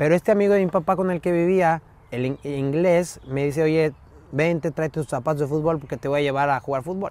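A man with a fairly high pitch speaks at a fairly quick pace with ordinary pitch variation, in a dry sound with no echo. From Mexico City. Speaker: football journalist and former footballer; interview guest. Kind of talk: casual interview. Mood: animated storytelling. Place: garden. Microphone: lapel.

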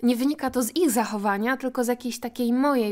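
A woman speaking at a fairly quick pace, with ordinary pitch variation against a quiet background. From Poland, Ostrołęka; Poland. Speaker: actress. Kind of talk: interview. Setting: studio. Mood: warm, reflective. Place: studio. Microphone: handheld.

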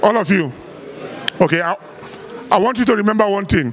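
The voice belongs to a man and is high in pitch. Its pitch variation is ordinary. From Nigeria. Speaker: club business partner. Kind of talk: speech at awards ceremony. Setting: stage with audience. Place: hall. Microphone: handheld.

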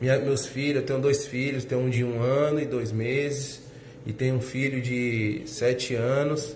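A man talks at a moderate pace and medium pitch, his intonation monotone and flat. Noticeable background noise and audible room echo fill the recording. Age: 30s. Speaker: hospital worker. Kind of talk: video statement. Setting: at home.

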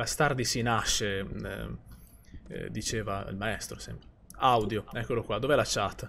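Fairly low-pitched male voice with vocal fry, a fairly slow pace, and light background noise. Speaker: gaming streamer. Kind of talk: casual chat. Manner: animated. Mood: joking, playful. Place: home room. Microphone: new wireless headset.

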